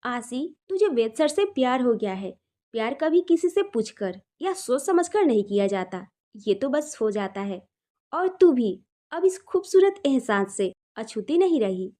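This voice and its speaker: A woman voicing a caring young female friend who gently presses with earnest questions. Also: a little high, sing-song, unhurried. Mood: tender. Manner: probing, coaxing, earnest.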